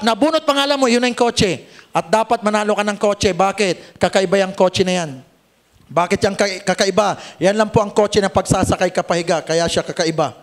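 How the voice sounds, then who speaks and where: A man presenting a networking business plan to a live audience, cracking jokes and teasing listeners with quick questions. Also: high-pitched. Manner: joking, teasing the audience, asks "Tama?" often. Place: seminar room with audience.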